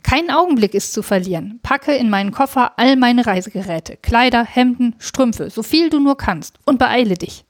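A woman reading as a hurried male scholar. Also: on the high side, lively intonation, no room sound, studio quality, natural voice. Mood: urgent. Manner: urgent and commanding.

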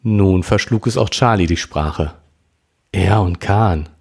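A man's voice: low voice, takes it slowly, vocal fry, slightly rough. A man reading a story aloud and voicing all the characters himself. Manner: expressive, acts out all characters. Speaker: audiobook reader.

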